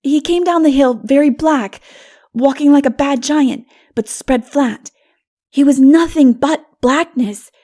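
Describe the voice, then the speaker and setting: Woman voicing an earnest, high-pitched frightened little boy. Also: measured pace, dark tone. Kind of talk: dramatic audiobook character reading.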